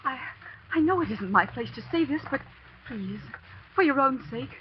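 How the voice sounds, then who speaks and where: A woman's voice: high voice, expressive, normal speed, background noise. An actress playing an anxious young female student in a 1940s radio drama, pleading and urgent. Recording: dull old radio broadcast.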